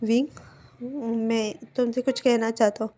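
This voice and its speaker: A steady, patient uncle figure, calm and reassuring. A woman narrator gives him her own mellow, fairly high voice, a little quieter. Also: moderate pace, close to an everyday voice.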